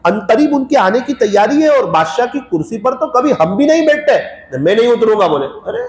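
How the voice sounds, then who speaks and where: A man with a high, light voice preaches a sermon to a gathering. He tells a story and acts out its characters' lines in quotes. The room echoes around him. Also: sing-song, normal speed. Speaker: Islamic preacher. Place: religious gathering.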